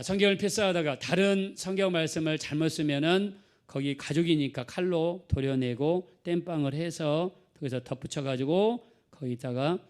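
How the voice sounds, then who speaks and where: A man's voice: a little high, a little mellow. A middle-aged male pastor preaching a sermon in a conversational storytelling manner, acting out the people in his story.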